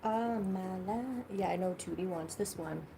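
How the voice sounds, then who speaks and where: A woman's voice: mid-range voice, a little slow, gravelly, noisy background. A young woman hosting a casual livestream, chatting loosely and swearing freely while she eats. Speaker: livestream host.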